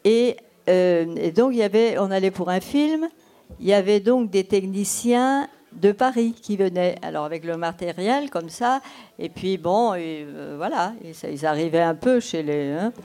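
Mellow-voiced woman in her eighties. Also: mid-range voice, animated. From Brittany. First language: Breton. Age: 80s. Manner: unhurried storytelling, thinking aloud. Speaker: documentary filmmaker. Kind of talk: reminiscing interview answers.

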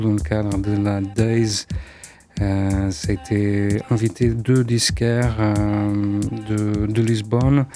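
A man's voice: lowish voice, dark tone. A male radio host presenting casually, with frequent hesitations and fillers.

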